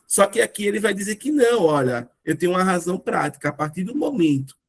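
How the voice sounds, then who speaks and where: A Brazilian man leads a relaxed philosophy discussion, his voice sitting a little high for a man. He works through ideas patiently and keeps asking rhetorical questions, tagging his sentences with little checks for agreement. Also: fast. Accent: Brazilian Portuguese. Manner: explanatory, rhetorical questions, frequent "né". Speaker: discussion group host.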